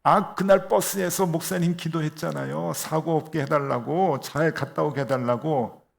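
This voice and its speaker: A blunt, teasing church deacon, as a male preacher puts him on, needling in a gravelly, mid-pitched voice. He talks bluntly and says whatever comes to mind. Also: fast, close to an everyday voice.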